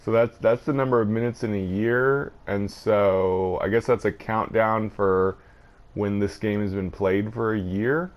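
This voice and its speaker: A man with a fairly low voice gives casual gameplay commentary. He rambles along as host, thinking out loud in an everyday way. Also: fairly even intonation, measured pace, lo-fi sound.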